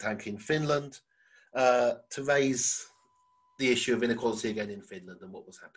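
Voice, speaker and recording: A man speaks with an English accent and ordinary pitch variation against a quiet background. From England. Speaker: academic presenter. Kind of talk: lecture. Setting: video call. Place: home room. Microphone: webcam.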